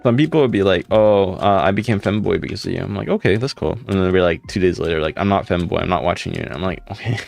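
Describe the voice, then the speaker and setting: Deep, gravelly young man streaming. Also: fast, few pauses, darkish tone. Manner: laid-back, rambling, chatting to viewers. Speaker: live streamer. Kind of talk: casual live stream chat, reading comments. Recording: faint music in background.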